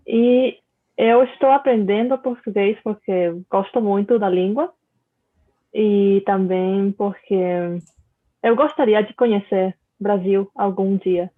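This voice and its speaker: A woman's voice: medium pitch, fairly even intonation, slow pace. A woman from Mexico with a Mexican Spanish accent, a native Spanish speaker introducing herself as a language student. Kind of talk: self-introduction in a foreign language. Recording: tinny phone-like online call.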